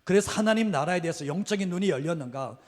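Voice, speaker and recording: A middle-aged man preaching a sermon as pastor, earnest and repetitive, his sentence ends often trailing off quietly. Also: high voice, lively intonation, fast talker. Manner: earnest, repeats key phrases, trails off at line ends. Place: church sanctuary. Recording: long hall reverb.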